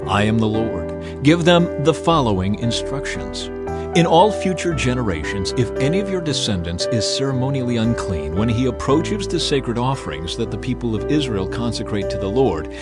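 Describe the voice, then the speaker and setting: A man narrating scripture as a dramatized audio reading, solemn, measured and authoritative in his delivery. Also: medium pitch. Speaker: Bible narrator.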